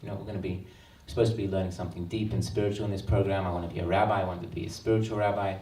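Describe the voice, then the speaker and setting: A deep, flat-voiced Australian author talks very fast at a book launch in an event hall. He's earnest and reflective, with frequent ums, and the distant mic gives a roomy hall sound.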